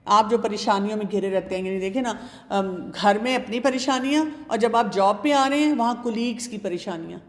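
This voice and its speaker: Calm woman advising in a hall. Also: mid-range voice, few pauses. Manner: calm, advising, addresses listeners directly. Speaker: speaker answering audience questions. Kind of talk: talk on parenting and faith.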